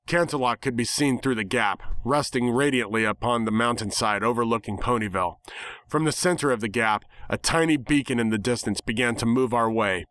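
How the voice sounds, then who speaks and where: A man's voice: medium pitch, a bit bright. Man, story narrator, dramatic scripted delivery, mid-range voice, very little room echo.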